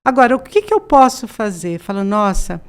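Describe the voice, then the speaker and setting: A Brazilian psychologist in her sixties, appearing as a guest, earnestly explains ideas conversationally with lots of fillers and repeats. She speaks with a Brazilian Portuguese accent in a clear, resonant, somewhat high voice, a little fast, with big swings in pitch.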